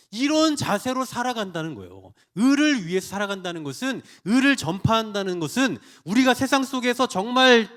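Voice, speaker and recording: Pastor, middle-aged man, high lively voice, preaching to a church congregation with rhetorical questions. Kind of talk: sermon. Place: church, Friday prayer meeting.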